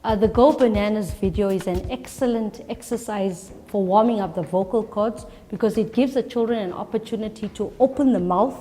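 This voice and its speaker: A woman teaching a reading lesson to a class, lively and playful. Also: on the high side. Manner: lively, switching to a playful storyteller persona.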